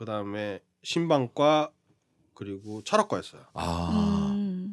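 A man at a very slow pace with very wide pitch swings, captured dry and close with no echo. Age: 30s. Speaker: webtoon artist. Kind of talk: interview. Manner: halting.

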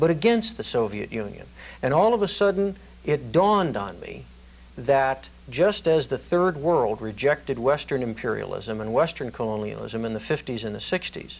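At a moderate pace, a man speaks with very wide pitch swings. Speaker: interview guest. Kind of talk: interview answer. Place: studio. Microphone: lapel.

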